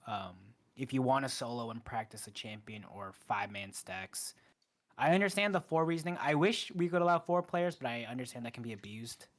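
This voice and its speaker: A man co-hosting a casual gaming podcast, thinking aloud and sharing opinions a little hesitantly. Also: mid-range voice.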